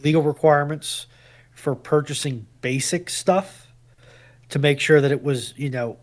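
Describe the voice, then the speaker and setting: A man's voice: fairly high pitch, a little slow. A man on a discussion panel, chatting casually and somewhat hesitantly as he thinks aloud. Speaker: panel guest.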